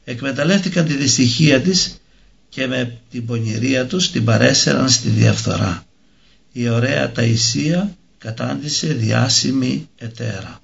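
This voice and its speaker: A man tells a religious story in a slow, measured reading. His voice is gravelly, at an ordinary middle pitch. The recording sounds dull and lo-fi. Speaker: narrator.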